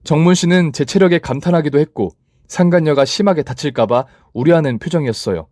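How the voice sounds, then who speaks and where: A man's voice: a little high, a little fast, darkish tone, dry recording, studio quality. A man reading a first-person story narration told in a woman's voice.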